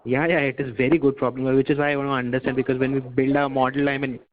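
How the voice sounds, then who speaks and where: Analyst, monotone, courteous, tinny phone audio. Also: male voice, medium pitch, fast talker. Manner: polite, hedging with "I mean". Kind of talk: earnings call question.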